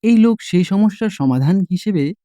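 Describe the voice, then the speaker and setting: A man narrating a scripted story as a voice-over storyteller, with an expressive, dramatic delivery. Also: sits high, normal speed, no echo, clean studio sound.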